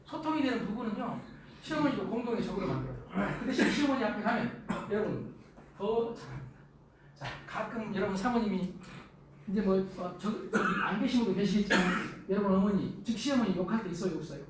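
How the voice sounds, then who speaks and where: A middle-aged man giving a lively lecture to a live audience, acting out the spouses he quotes in a raised voice. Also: sits high, fairly quick. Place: lecture hall. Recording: echoey hall from far off, faint noise.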